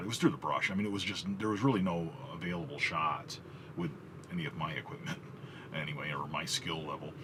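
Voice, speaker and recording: Amid noticeable background noise and audible room echo, a man with a very deep, low pitch speaks with lively intonation. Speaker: hunting vlogger. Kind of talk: outdoor vlog narration. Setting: outdoors; hunting blind. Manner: loud.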